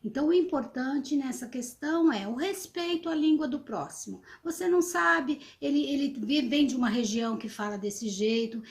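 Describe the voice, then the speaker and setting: With a high voice and a moderate pace that rarely pauses, a middle-aged teacher from São Vicente, Brazil, talks to students during an interview. She's patient but unsure, restarting often and filling gaps with fillers.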